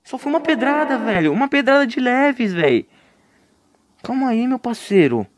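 With an extremely high voice that swings widely in pitch, a young Brazilian Portuguese-accented man livestreams a horror game at normal speed with no echo. He jokes with his chat and lets out panicked yelps whenever something scares him.

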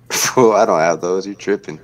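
A young man in his twenties chats loosely on a home livestream, dropping slang and reading viewer messages aloud. His voice sits very low. He sounds relaxed and talkative in front of a webcam. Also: takes it slowly. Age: 20s. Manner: laid-back slangy banter, reads chat aloud. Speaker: livestream host. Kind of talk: casual livestream chat. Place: indoor home room, webcam stream.

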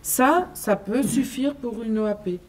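A woman's voice: a little high, measured pace, a little mellow. A woman presenting a planning design to a group standing around a table, hesitant, with many fillers and restarts. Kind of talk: explaining a plan around a table. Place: meeting room, group standing round a table.

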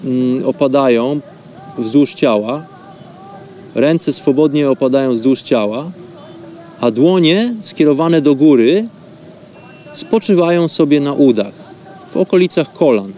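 A man hosting a radio show, giving instructional talk in an explanatory way, pausing now and then to find words. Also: mid-range voice, animated, warm tone. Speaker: host of a radio show on meditation.

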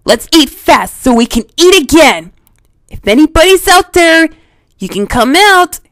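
Lady voicing a spunky anime kid hero, high bouncy voice, kinda slow, eager. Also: sing-song, a bit bright, dry recording, heavily acted. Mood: excited. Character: eager spirited boy hero, about ten. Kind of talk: cartoon voice impression demo.

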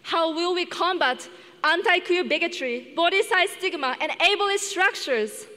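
Earnest young woman, high bright voice. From Japan. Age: young adult. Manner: earnest, measured, emotional. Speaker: student class speaker. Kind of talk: commencement speech. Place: large indoor arena stage. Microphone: headset mic. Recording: long arena reverb.

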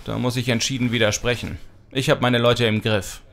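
An actor in a German radio play playing a firm, wary gang leader with a blunt, urgent delivery. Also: male voice, mid-range voice, level tone, brisk, vocal fry, fairly bright tone. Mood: firm, formal.

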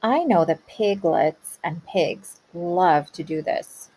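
A woman teacher pausing a read-aloud to ask young children patient questions about the story. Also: fairly low pitch, a little mellow, slightly rough. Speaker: kindergarten teacher.

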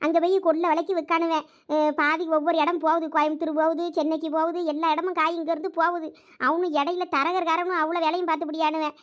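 A woman with a Thoothukudi Tamil accent acting out lively village comedy skit dialogue with bickering banter. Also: extremely high pitch, fast talker, muffled recording.

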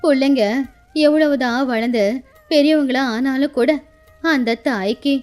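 A woman voicing an affectionate, sorrowful elderly village grandmother, speaking slowly and plaintively in a children's moral story. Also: high-pitched, darkish tone, faint music behind. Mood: tender, resigned. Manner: plaintive, slow, tender.

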